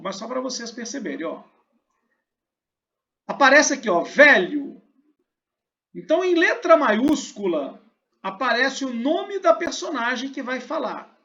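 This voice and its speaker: A man's voice: very high voice, fairly bright tone, dull audio. A male teacher with a Brazilian Portuguese accent giving a recorded class, explaining step by step and answering his own questions.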